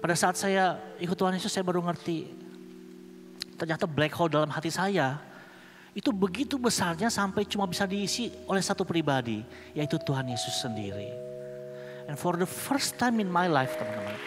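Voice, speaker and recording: A man's voice: sits high, animated, moderate pace. Man telling a funny testimony in a hall. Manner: casual, humorous storytelling with slang. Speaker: conference speaker. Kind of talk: personal testimony sermon. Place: large conference hall. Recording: long hall reverb with music underneath.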